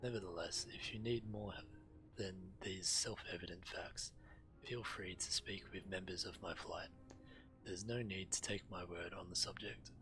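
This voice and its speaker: An actor playing a proud, self-important black dragon in a video game, speaking formally and persuasively. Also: male voice, low-pitched, steady tone, normal speed, lightly acted, rough recording. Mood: haughty. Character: proud male black dragon claimant, haughty, earnest, indignant. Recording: music behind the voice.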